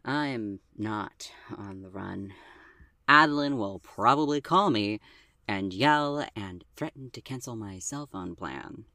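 A performer acting in an audio drama as an anxious, tender young driver with a gentle, hesitant, earnest way of talking. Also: mid-range voice, expressive, slow, no room sound, studio quality, exaggerated voice. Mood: anxious, apologetic.

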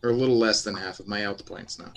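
A man's voice: fairly low pitch, fast talker, creaky. A man playing a tabletop game, casual and swearing freely between laughs. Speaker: player.

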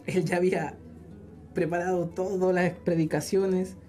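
A woman with a dark, mellow voice tells a personal faith testimony in an earnest, halting way, restarting her sentences as she goes. Soft music plays faintly behind her. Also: fairly low pitch, level tone. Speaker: church audio volunteer.

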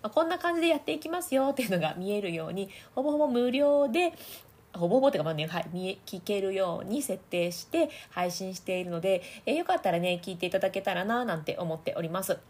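A voice trainer hosts a chatty audio podcast, laughing often and demonstrating voice placements while explaining them. She talks fast, with a medium-pitched, expressive, slightly mellow voice.

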